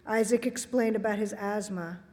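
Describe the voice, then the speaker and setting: A woman author giving a public reading of her literary fiction at a library event, with a measured, even storytelling delivery. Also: medium pitch. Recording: long reverb from a hall.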